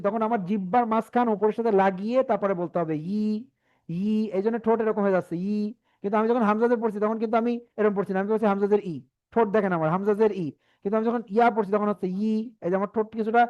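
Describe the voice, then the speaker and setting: A man teaching a Quran reading class, patiently saying each letter sound slowly and having the class repeat after him. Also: high voice. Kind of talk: online class lesson. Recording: dull lo-fi.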